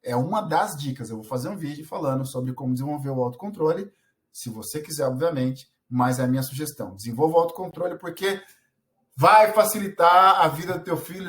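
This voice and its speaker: A man from Brazil gives parenting advice straight to camera in a casual, earnest way. He often restarts his sentences and fills pauses as he goes. His voice sits fairly high for a man. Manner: earnest, many restarts and filler words. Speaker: parenting vlogger.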